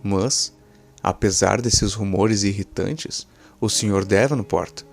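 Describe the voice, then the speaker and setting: A man's voice: lowish voice, takes it slowly, creaky, soft background music. A man with a Brazilian accent reading a scripted horror story as its narrator.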